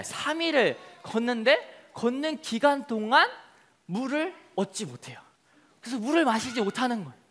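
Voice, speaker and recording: A preacher giving a children's sermon, telling a story and acting out the crowd's voices with lots of questions to the kids. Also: male voice, very high-pitched. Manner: lively, sing-song, calls out to children.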